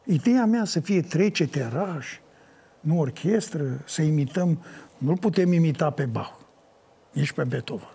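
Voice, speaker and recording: An older man answering interview questions in an animated way, breaking into sung folk lines as he talks. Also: fairly high pitch, gravelly, husky. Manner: animated, sings folk lines mid-talk. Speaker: folk singer.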